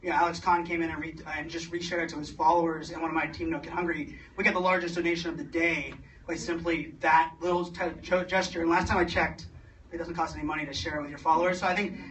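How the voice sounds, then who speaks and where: A man in the audience speaks quickly and eagerly in a fairly high voice that has gone hoarse. He sounds far from the mic. A faint noise sits behind him. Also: flat delivery, a bit bright. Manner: enthusiastic, fast. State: losing his voice. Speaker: audience member asking a question.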